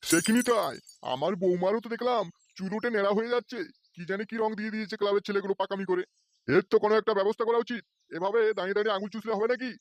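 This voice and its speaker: A man's voice: high-pitched, very fast, no echo, natural voice. A man voicing an irate, blustering village man in a comedy cartoon, with a scolding, agitated manner. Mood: indignant. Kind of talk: Bengali comedy cartoon dubbing.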